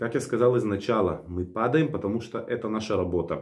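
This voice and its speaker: A man speaks at a moderate pace in a somewhat breathy voice. The background is quiet. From Israel. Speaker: religious lecturer. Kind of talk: lecture. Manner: halting, with many filler sounds. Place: home room. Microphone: phone near.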